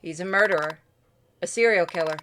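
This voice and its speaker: Bright-voiced woman narrating a game. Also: fairly low pitch, brisk, a little hiss or hum. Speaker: game streamer. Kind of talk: dramatic read-aloud game narration with candid reactions.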